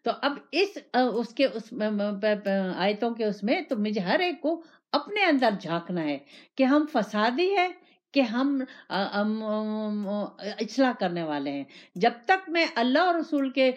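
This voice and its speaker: A woman's voice: a little high, sing-song. A woman giving an Islamic sermon, repeating phrases and asking rhetorical questions in the first person. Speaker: religious teacher. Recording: dull lo-fi recording.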